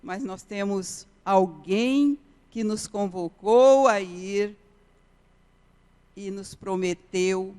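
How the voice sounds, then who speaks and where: A woman's voice: medium pitch, extremely slow, darkish tone, clear, resonant tone. A woman, a missionary telling an earnest testimony in a sermon, often repeating key phrases. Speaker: missionary preacher. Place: church sanctuary. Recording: reverberant church hall.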